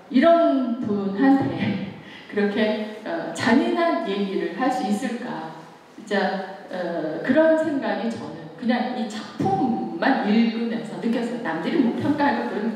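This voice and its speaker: A woman in her sixties giving an earnest, emotive public lecture with expressive recitation and conversational asides to her listeners. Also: medium pitch. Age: 60s. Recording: echoey hall, distant mic, background noise.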